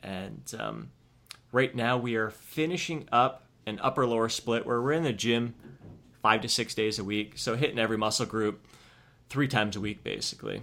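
On a very clean recording with a silent background, a man with a bright, sharp tone speaks at medium pitch and a moderate pace with fairly even intonation. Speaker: podcast host and fitness coach. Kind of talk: casual chat.

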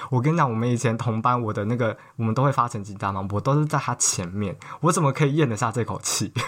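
A man rattles off words at a very fast pace on a very clean recording with a silent background. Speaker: podcast co-host, former architecture student in Japan. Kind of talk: casual chat. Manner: animated, laughing often.

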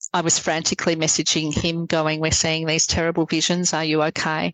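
In an Australian accent, a woman talks at a moderate pace with a fairly low pitch. Her intonation stays monotone and flat. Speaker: police veteran. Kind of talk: interview.

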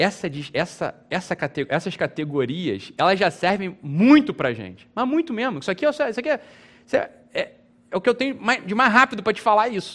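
A man's high-pitched, animated voice in a Brazilian accent, fairly quick yet broken by long, frequent pauses, with very wide pitch swings on a very clean recording against a silent background. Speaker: teacher and author on temperaments. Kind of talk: lecture.

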